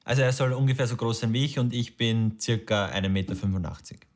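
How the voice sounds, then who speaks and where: A thirty-year-old man, talking in a relaxed, plain way in an interview at home. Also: mid-range voice, fast. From Lower Austria. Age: 30s. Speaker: dating show candidate. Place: home kitchen.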